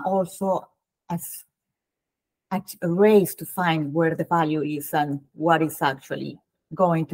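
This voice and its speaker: A woman's voice: fairly low pitch, darkish tone, rough recording. A woman in her thirties with a Colombian accent, hosting a casual interview over a video call, chatty with frequent restarts. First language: Spanish. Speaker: host. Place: home room.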